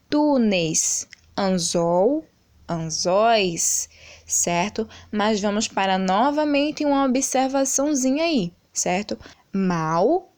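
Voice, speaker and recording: A Brazilian woman teacher giving a recorded lesson, explaining slowly and patiently and checking often that her pupils follow. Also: mid-range voice. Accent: Brazilian Portuguese. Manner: slow, patient explaining with frequent "certo?" checks. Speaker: school teacher.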